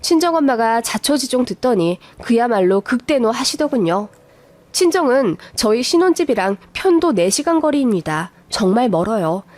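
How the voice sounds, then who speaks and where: A young woman narrates a scripted radio story, confiding and exasperated. Her voice sits high. Her delivery stays personal and told in the first person. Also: big pitch swings, normal speed, darkish tone, no room sound.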